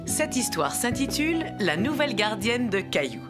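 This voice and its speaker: A woman narrating a French children's cartoon story as a kindly storyteller, expressive and clearly articulated. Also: a little high, normal speed, over loud music. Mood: storytelling.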